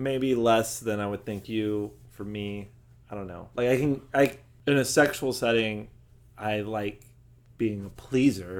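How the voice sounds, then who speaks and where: The speech moves fairly slowly with fairly even intonation, long and frequent pauses, and big swings in loudness. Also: man, fairly low pitch for a man. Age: 30s. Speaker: podcast guest, hosts' roommate. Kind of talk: casual chat.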